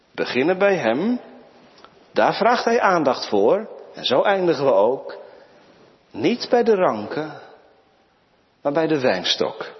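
A man preaching a sermon, slow and dramatic, with long pauses and sudden drops to near whispers. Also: on the high side. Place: church. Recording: muffled church recording with long reverb.

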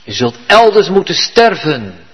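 A man's voice: high voice, very animated, measured pace, slightly rough, pitched above the performer's own voice, exaggerated voice. A man voicing a stern old male prophet who pronounces judgment in a raised, declaiming voice. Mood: stern, accusing. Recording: dull recording with long hall reverb.

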